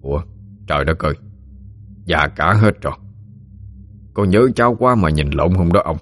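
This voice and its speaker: A man's voice: low voice, expressive, normal speed, a bit bright. A man voicing a very old, mysterious male spirit in an audio ghost story. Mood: calm. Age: older.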